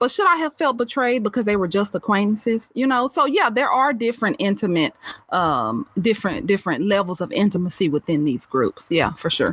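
Speaking with an American accent, a woman at a medium pitch moves at a fairly quick pace with very wide pitch swings and very even loudness. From Texas, Dallas (Oak Cliff). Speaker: podcast co-host. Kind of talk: casual chat.

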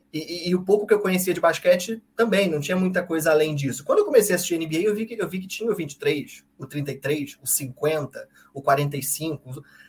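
His pitch is high for a man, and it varies in an ordinary way. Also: moderate pace. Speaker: sports content creator. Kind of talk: casual chat.

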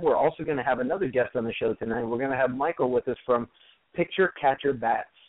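A man speaks with an unremarkable speaking voice at a medium pitch. His pace is fairly quick, with ordinary pitch variation. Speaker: radio host. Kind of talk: live radio show chat. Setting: phone interview with guests. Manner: casual, chatty.

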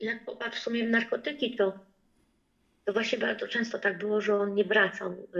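In a tearful tone, a woman with a fairly high pitch speaks at a fairly quick pace with fairly even intonation. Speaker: abuse survivor telling her story. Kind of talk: tearful life story, halting, emotional testimony about abuse. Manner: halting, tearful, pained, with repetitions and broken sentences.

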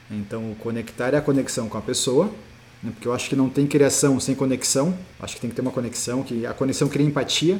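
Noticeable background noise sits behind a man speaking at medium pitch and a fairly quick pace with ordinary pitch variation. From Brazil, Osasco (Greater São Paulo). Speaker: graphic designer and entrepreneur. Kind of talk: casual interview chat.

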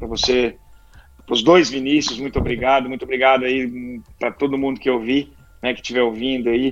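A man talks in a normal speaking voice. His pitch is medium and his pace fairly quick. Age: 40s. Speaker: real estate broker. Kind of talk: interview. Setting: remote call.

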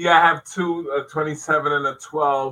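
Speaking very slowly, a man with a New York accent talks in a fairly high pitch. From Dominican Republic, raised in New York City. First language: Spanish. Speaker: real estate executive. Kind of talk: panel discussion on radio.

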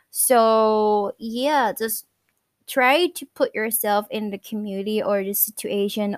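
In a very clean recording with a silent background and a dry, close sound with no echo, a speaker with a Thai accent talks at a fairly slow pace with ordinary pitch variation. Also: woman. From Thailand. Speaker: podcast host. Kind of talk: casual monologue. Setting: home recording. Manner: halting.

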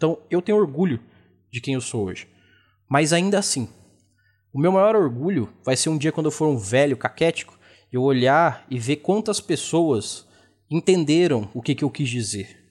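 A man's fairly high voice with lively intonation at a moderate pace, long, frequent pauses, and a very clean recording with a silent background. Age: 30s. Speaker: podcast host and RPG game master. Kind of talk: solo monologue, casual reflective talk.

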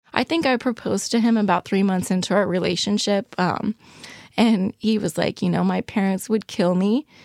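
On a very clean recording with a silent background and a dry, close sound with no echo, a woman speaks in a plain, everyday voice at medium pitch and a moderate pace, with ordinary pitch variation and very even loudness. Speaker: burn survivor. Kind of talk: personal testimony. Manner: casual, filler-heavy speech.

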